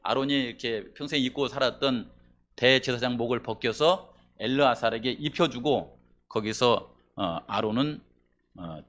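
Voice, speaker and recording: A male pastor preaching a sermon in a church, conversational, often asking the congregation questions, swinging between loud emphasis and quiet asides. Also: medium pitch, moderate pace.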